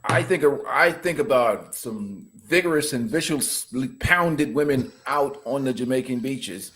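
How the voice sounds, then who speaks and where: A man from the Bahamas appears as a podcast guest, speaking in a casual, emphatic and opinionated way, animated and laughing as he talks. His voice is mid-range and his pace measured.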